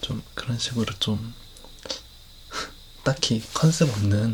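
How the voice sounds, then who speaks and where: A man speaks in a relaxed tone with fairly even intonation. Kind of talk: ASMR casual chat talking about daily life. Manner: soft, relaxed, chatty.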